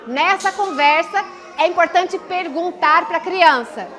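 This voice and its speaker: A woman's voice: extremely high pitch, measured pace, a bit bright. A woman giving a live parenting talk, explaining in a conversational way, often posing a question and then answering it herself. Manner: explanatory, poses and answers her own questions. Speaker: parenting speaker.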